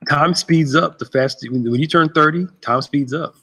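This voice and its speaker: A man's voice: fairly high pitch, normal speed, sharp tone, breathy edge. A man in his thirties, a pastor hosting a casual chat show from a church sanctuary, laid-back and joking. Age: 30s.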